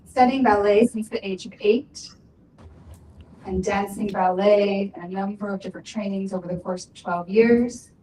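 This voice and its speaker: A woman voicing deaf panelists' introductions as a sign language interpreter, speaking in measured short phrases. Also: mid-range voice, dark tone. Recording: roomy, distant, faint ambient noise.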